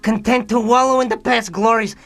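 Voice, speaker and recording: A woman's voice: a little high, fairly even intonation, brisk, lightly acted. A woman playing a grandiose, indignant young male mad scientist in a melodramatic comedy radio play. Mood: grandiose outrage. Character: pompous young male mad scientist, theatrical upstart villain. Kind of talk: comedic radio drama acting. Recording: music behind the voice.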